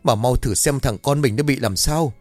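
A man's voice: medium pitch, moderate pace, a little mellow, no echo, soft background music, voice pushed up, natural voice. A man voicing a frightened older village father who stammers and pleads. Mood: shaken.

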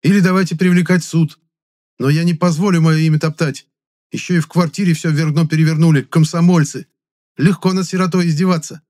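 An indignant, sarcastic young man, played by the narrator himself defending his name. He speaks raised and forceful, slightly higher than his telling voice. The protest is sharp rather than tearful. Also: a little fast, close to an everyday voice.

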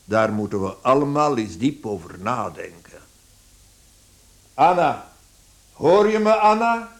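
A man acting a middle-aged, authoritative father in a radio play, speaking deliberately and formally. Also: mid-range voice, very animated. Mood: commanding. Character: authoritative bankrupt father, measured head of household.

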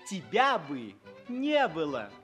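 An actor playing a teasing, inquisitive clown servant who asks mock-naive questions in a theatrical comic radio play recorded in the 1960s. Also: male voice, fairly high pitch, wildly swooping pitch, takes it slowly, fairly bright tone, faint music behind, exaggerated voice. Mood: mock-earnest. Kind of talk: theatrical comic stage dialogue.

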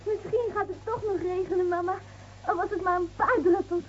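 A woman's voice: very high voice, steady tone, a little fast. An actress playing a naive, devout young shepherd girl in a radio play, earnest and full of questions. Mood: excited, hopeful. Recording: tinny, noisy old radio play recording.

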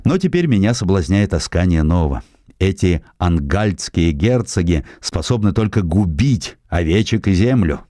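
A male reader voices a determined, self-reliant colonist farmer in an audiobook drama. The voice is low and mellow, measured and resolute. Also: big pitch swings, no room sound, studio quality. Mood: eager, confiding.

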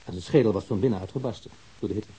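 A man playing a calm, matter-of-fact pathologist explaining findings in a Dutch radio drama. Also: on the low side, racing, lightly acted, rough recording. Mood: factual. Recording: hissy old radio drama recording.

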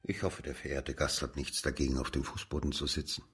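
An actor playing a proud, aloof Arab host in a radio drama, speaking with formal, ceremonious courtesy. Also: male voice, rumbling low, flat delivery, brisk, noisy background. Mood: courteous, reserved.

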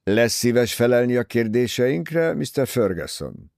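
A stern officer questions a suspect in a cold, firm tone, voiced by a male audiobook reader. The voice is gravelly, with wide swings in pitch, in a dry, close setting. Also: very animated, a little mellow, no room sound.

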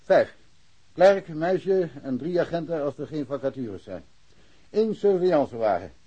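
An actor playing an easygoing, good-humoured small-town policeman, jovial and unhurried, in a naturalistic radio drama. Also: fairly high pitch, animated, breathy edge, dull audio. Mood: welcoming, practical.

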